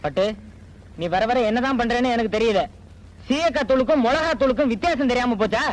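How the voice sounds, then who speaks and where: Weary, placating village husband. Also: male voice, extremely high pitch, brisk, a little hiss or hum, rough recording. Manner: placating, exasperated. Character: weary village husband calming his wife. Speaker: husband and father. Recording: film soundtrack with music underneath.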